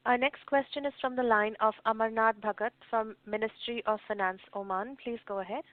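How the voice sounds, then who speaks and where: A woman's voice: fairly high pitch, fairly even intonation, a little fast, no room sound. A woman moderating a conference call as operator, in polite, formal set phrases. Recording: very noisy, clicking phone line.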